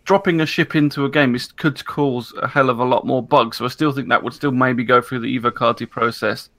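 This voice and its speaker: A man's voice: mid-range voice, fairly even intonation, a little fast, fairly bright tone. A man chatting casually as a panellist on a gaming podcast. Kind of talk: casual panel discussion about a video game.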